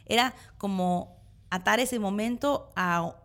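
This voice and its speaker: Woman chatting about fights with her partner, giggly, mid-pitch voice. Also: slow pace, a bit bright. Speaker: co-host of a couples show. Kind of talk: casual chat.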